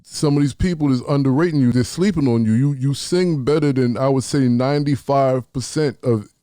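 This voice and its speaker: A man hosting a radio interview who asks thoughtful questions with many halting restarts. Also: mid-range voice, mellow, no echo, clean studio sound. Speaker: radio show host. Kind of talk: casual interview.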